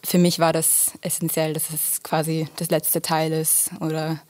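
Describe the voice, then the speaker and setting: A young woman speaks in a low, fairly level voice, answering a radio host's questions in a thoughtful, measured way with small pauses. The studio sound is dry and close. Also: completely flat delivery, a little mellow, dry recording. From Vienna, Austria. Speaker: singer-songwriter guest. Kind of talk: radio interview.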